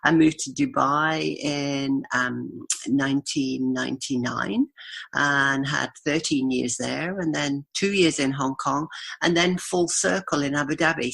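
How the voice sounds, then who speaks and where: A woman's voice: low-pitched, gravelly, breathy edge. A woman in her fifties with a Yorkshire accent, chatting as a guest and telling stories with frequent laughs. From Yorkshire, England. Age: 50s. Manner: chatty, laughs often, storytelling. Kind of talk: podcast interview.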